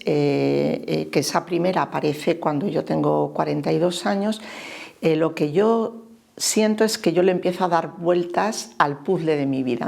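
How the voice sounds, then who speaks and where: Low, gravelly Spanish woman in her fifties. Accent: Spain Spanish. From Spain. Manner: hesitant, many pauses and soft fillers. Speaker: interviewee giving faith testimony. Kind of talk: reflective personal testimony.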